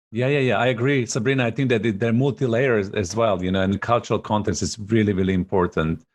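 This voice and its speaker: A middle-aged man speaks in a somewhat low voice. He is earnest and emphatic, often repeating words to stress a point, as he hosts a reflective coaching conversation over a video call. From Serbia. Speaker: host, coach.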